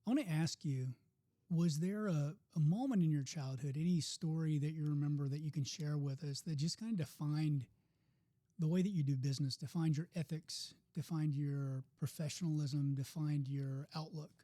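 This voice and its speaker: A man hosting a podcast, his voice dark and mellow, sitting slightly high for a man. He asks questions in a relaxed, easygoing way, with casual fillers. The sound is close and dry. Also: normal speed, no echo. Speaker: podcast host. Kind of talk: podcast interview.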